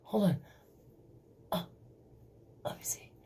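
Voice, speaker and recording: A woman's voice: slow, dark tone, whispered. A young woman vlogging casually, rambling and giggling nervously as she talks to the camera, swearing often. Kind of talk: casual beauty vlog.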